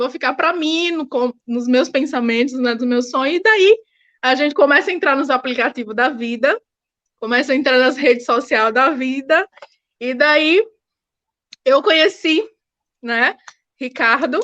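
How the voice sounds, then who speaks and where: A woman with a strong Sergipe accent speaks at a fairly slow pace with long, frequent pauses, using a high pitch, a bright, sharp tone and lively intonation. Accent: Sergipe Brazilian Portuguese, kept strong. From Brazil, Sergipe (Aracaju area). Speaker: interview guest. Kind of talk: casual interview, personal story.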